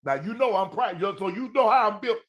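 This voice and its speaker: Man in his fifties, high voice, podcast host spinning casual stories with emphatic repeats. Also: expressive, fairly quick, a bit bright, dry recording, studio quality. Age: 50s. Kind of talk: animated casual storytelling.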